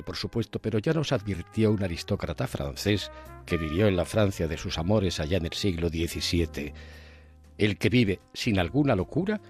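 A man reading a scripted radio column in an ironic, dryly humorous manner. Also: low voice. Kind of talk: scripted opinion column read on air.

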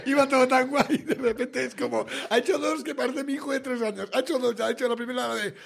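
A man's voice: extremely high pitch, quick pace, creaky. A man, a podcast co-host firing off mocking quips. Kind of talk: comic banter.

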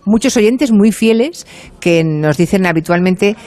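A woman's voice: medium pitch, lively intonation, a little slow, warm tone. A woman hosting a live radio show before an audience, chatty and joking with the crowd. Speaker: radio host.

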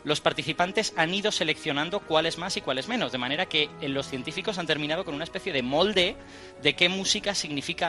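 Bright, lively man explaining science. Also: on the high side. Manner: energetic, explanatory, quizzing the hosts. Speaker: science guest.

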